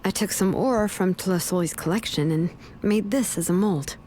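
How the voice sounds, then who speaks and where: A woman's voice: medium pitch, normal speed, dark tone, slight background noise, lightly acted. An actress voicing an easygoing, protective young craftswoman in a video game, speaking casually and reassuringly. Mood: gentle, reassuring.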